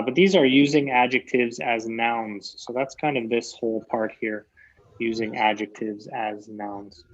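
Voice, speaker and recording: A man's voice: mid-range voice, dull audio. A Canadian man teaching an English lesson online, patiently repeating key phrases for his students.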